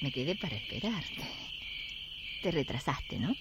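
An actress playing a weary, fiery wife and neighbourhood activist in a radio drama, with an Argentine accent and an emphatic way of talking. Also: female voice, low-pitched, very animated, a little slow, background noise. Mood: tender, nostalgic. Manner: emphatic, reproachful, with rhetorical questions. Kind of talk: Spanish-language radio drama acting.

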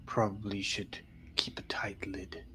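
A man voicing a hushed, humble pastor. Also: deep voice, fairly even intonation, unhurried, pitched below the performer's own voice. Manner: quiet, hushed, half-whispered. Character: humble soft-spoken male pastor of a church. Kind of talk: in-character role-play.

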